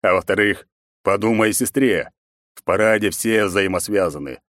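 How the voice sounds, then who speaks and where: A man's voice: lowish voice, normal speed, a bit bright, dry recording, clean studio sound, natural voice. A man voicing a weary, commanding emperor who lectures his daughter in an audiobook. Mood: stern. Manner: stern, commanding. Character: stern aging emperor and father, weary and commanding.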